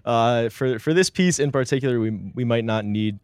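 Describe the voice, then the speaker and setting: An upbeat man hosts a live-streamed interview show, reading chat comments aloud between fillers. His voice sits at an ordinary pitch. The sound is dry and close, with no room around it. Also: normal speed, a little mellow, clean tone, no room sound. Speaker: podcast host.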